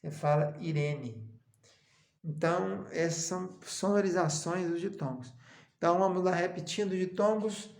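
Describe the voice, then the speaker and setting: A Brazilian man teaching a seminary lesson on Greek. He explains slowly, often adds "né?", and chants the letter names. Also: high voice, creaky, roomy sound. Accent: Brazilian Portuguese.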